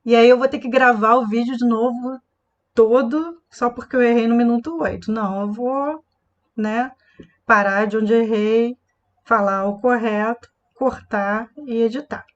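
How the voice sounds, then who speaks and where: A woman's voice: fairly high pitch, steady tone, a little slow, lo-fi sound. A woman voice coach teaching a live online class, speaking expressively and showing different tones of voice as she explains.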